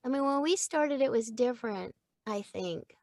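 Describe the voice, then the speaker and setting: Older lady voice actor, kinda gravelly and a bit high, chatty and animated, dry booth sound. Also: normal speed, no echo. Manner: chatty, animated, laughs often. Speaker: voice actor guest. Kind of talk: casual interview chat. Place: home recording booth. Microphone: studio microphone.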